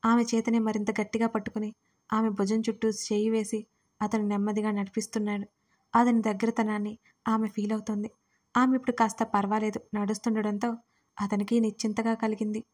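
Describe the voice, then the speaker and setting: A woman narrating a serialized romance audio story in an even, measured reading. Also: mid-range voice.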